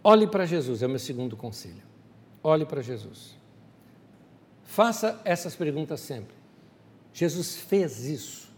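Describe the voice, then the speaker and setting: A man preaching a sermon as a pastor, animated and speaking straight to his listeners. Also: a little high, a little slow, long pauses, long reverb tail.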